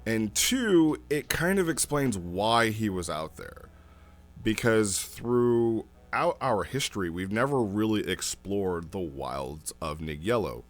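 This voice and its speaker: A man giving a casual, unscripted review as a host, rambling a little and thinking aloud as he goes. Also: sits low. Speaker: host reviewing roleplay logs.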